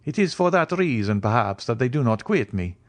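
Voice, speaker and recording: A man's voice: medium pitch, big pitch swings, fairly quick, pitched above the performer's own voice, close to an everyday voice. A mysterious, self-assured count, played by a male audiobook reader, speaks in a raised voice. His phrasing is formal and precise, with the lofty composure of an aristocrat. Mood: lofty, calm. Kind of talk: audiobook character dialogue.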